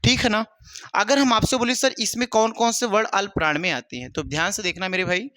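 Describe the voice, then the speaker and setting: Guy teacher, pretty high voice, keeps asking then answering himself, dry close sound. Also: brisk, sharp tone, no echo. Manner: repetitive, asks and answers his own questions, calls students brother. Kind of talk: exam-prep lesson.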